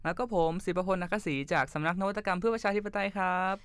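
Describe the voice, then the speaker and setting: A man's voice: high-pitched, fast talker, a bit bright, smooth, no room sound. A man co-hosting a casual political talk show, an academic giving short replies and dry asides. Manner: brief backchanneling, dry asides. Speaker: co-host, academic.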